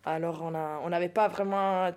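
A youth shelter staff member gives a casual radio interview in a lowish voice at a moderate pace. She's a native Italian speaker who comes across lively, laughing often and sometimes searching for words.

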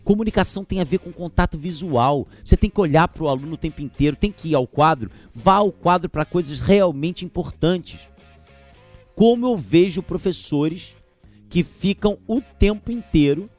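A man hosting a podcast on teaching, lively and gesturing as he talks. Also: high-pitched, moderate pace, soft background music. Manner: animated, gesturing while speaking, mocking teachers' verbal tics. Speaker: podcast host and teacher trainer. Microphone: podcast microphone.

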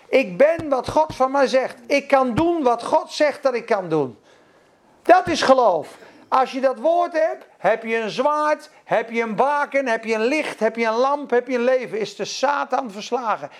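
A man preaching a sermon, fervent and emphatic, calling out to his listeners. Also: very high-pitched. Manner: fervent, emphatic, acts out dialogues.

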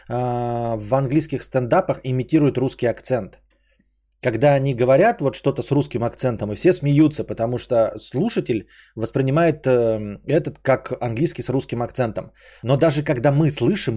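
Male stream host, dark mellow tone, casual rambling delivery. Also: medium pitch. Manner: rambling, explanatory, many fillers. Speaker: podcast host reading donations. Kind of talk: casual live-stream chat.

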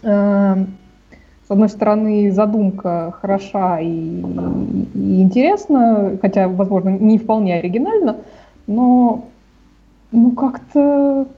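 A woman's voice: medium pitch, takes it slowly, gravelly, husky, phone-quality sound. A woman co-hosting a podcast, giving her hesitant, casual opinions on TV shows. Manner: hesitant, many restarts and fillers. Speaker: podcast co-host. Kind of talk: casual TV review chat.

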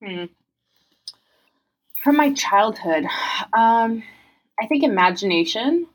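A woman's voice: a little high, expressive, takes it slowly. A young woman from France who grew up in the United States, answering interview questions in a chatty, reflective way with many fillers.

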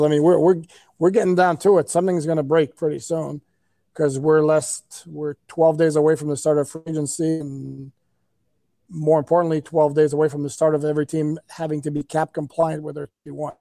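A male sports reporter chats casually in a slightly high voice with a lot of creak. His delivery is fairly flat and hesitant as he explains things. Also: normal speed, no echo.

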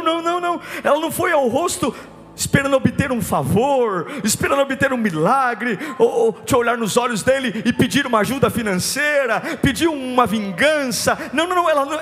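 A man preaching a sermon, emphatic and repetitive, dropping to a hush and then rising to force. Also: very high-pitched. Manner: emphatic and repetitive, swinging between hushed and forceful. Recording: long hall reverb with soft music behind.

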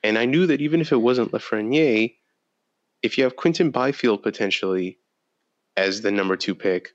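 A man co-hosting a casual sports chat podcast, telling stories in an animated way and laughing often. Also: on the low side, normal speed, highs cut off. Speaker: podcast co-host.

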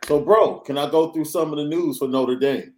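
A young adult man hosting a casual sports podcast, reading through news in an energetic, chatty way. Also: on the high side, moderate pace. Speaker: podcast host.

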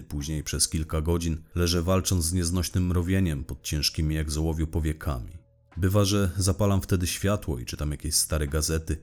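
A man's voice: rumbling low, a little mellow. A man playing a weary, irritable middle-aged divorced investigator confessing in formal, wordy sentences in an audio drama. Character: weary, irritable divorced male investigator talking to his psychologist. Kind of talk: scripted audio drama monologue.

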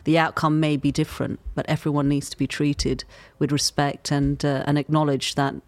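Architect guest, mid-pitched, halting, filler-heavy, dry close sound. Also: little pitch movement, dry recording. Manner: hesitant, many fillers. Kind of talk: interview answer.

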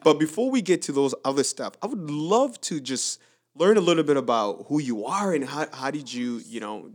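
A man's voice: a little high, animated, moderate pace. A man hosting a casual interview, chatting in an upbeat, informal way with plenty of slang. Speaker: interview host.

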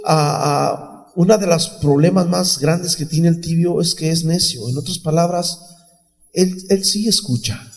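Preacher guy, chatty, keeps calling folks brother, gravelly voice, echoey room. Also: a little high, unhurried. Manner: conversational, calls listeners brother. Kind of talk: informal sermon. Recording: echoey hall, faint music behind.

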